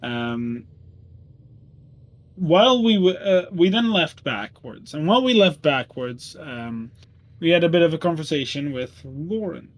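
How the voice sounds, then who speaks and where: A man with a slightly high, expressive voice recaps the last tabletop game session at a measured pace. He's a player chatting casually, with plenty of ums and self-corrections along the way.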